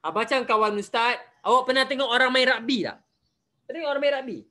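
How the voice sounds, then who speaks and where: A man's voice: extremely high pitch, fast, pushed and bright. A young man with a Malaysian Malay accent, a religious teacher telling a story to his pupils in an online class and quizzing them as he goes. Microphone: video call.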